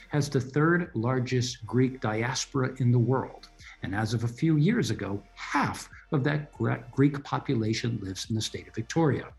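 An American man hosts an interview podcast, giving a scripted introduction with emphatic rises on key words. His voice sits at a middling pitch, and faint music plays underneath. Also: vocal fry, poor audio. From United States. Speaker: podcast host.

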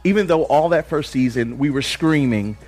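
A man's voice: on the high side, lively intonation, moderate pace, a little mellow, faint music behind. A man co-hosting a casual pop-culture podcast, joking around and laughing often. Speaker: podcast co-host.

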